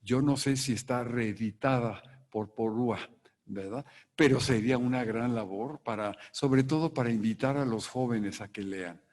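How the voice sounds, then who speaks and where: A Mexican man presenting a book to an audience, talking deliberately and tagging his points with a questioning word. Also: mid-range voice, a little mellow. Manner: deliberate, tags lines with a questioning "sí". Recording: long hall reverb.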